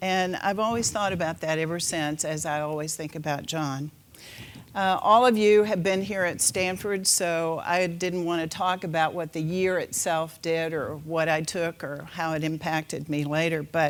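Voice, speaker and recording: A woman with an ordinary speaking voice, fairly low in pitch, with fairly even intonation at a moderate pace on a very clean recording with a silent background. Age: 60s. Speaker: retired TV journalist. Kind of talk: panel talk.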